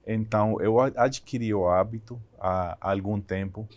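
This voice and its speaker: Low-voiced man in interview. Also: fairly even intonation, moderate pace, highs cut off. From Colombia. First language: Spanish. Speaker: company CEO, interview guest. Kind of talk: conversational interview storytelling.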